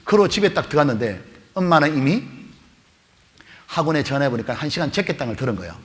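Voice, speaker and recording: Animated pastor in a reverberant hall. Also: male voice, on the high side, fast talker. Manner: animated storytelling, acting out mother and kids in raised voices. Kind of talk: youth retreat sermon with acted story.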